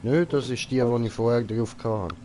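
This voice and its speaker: A man's voice: mid-range voice, normal speed, mellow, a little hiss or hum. A young man with a Swiss German accent, chatting casually while playing a co-op game, joking and loose. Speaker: gamer. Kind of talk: casual co-op gaming chat.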